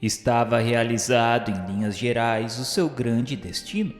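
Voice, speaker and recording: A man with a Brazilian accent gives a solemn scripted radio drama narration in a formal, measured, literary manner. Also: mid-range voice. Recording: echoey hall-like reverb with music. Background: music.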